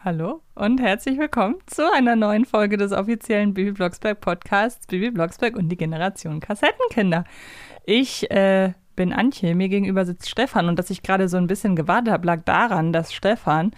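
A woman's voice: mid-range voice, fairly quick, dry recording. Woman hosting a casual podcast, dry sound. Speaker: podcast host. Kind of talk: casual chat, quiz game banter.

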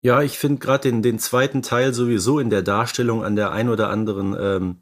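A man's voice: medium pitch, steady tone, fairly quick. A man co-hosting a podcast, casually analysing films and recapping their stories. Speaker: podcast co-host.

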